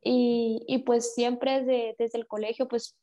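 A young woman footballer from Guatemala with a Guatemalan accent, giving measured, reflective interview answers with frequent restarts. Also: fairly high pitch, little pitch movement, warm tone. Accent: Guatemalan Spanish. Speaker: professional footballer, interview guest.

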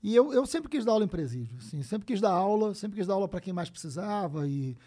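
A man, telling stories as a guest in a casual conversation, animated and full of swearing. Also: high voice, a little fast. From Brazil. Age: 50s. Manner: animated storyteller, frequent swearing and "né?" tags.

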